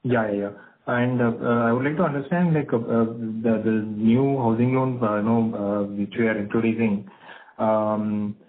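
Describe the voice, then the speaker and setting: Rambling analyst on a phone line. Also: male voice, on the low side, steady tone, normal speed. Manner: rambling, heavy on "like" and "you know" fillers. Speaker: analyst asking questions. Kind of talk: earnings call question.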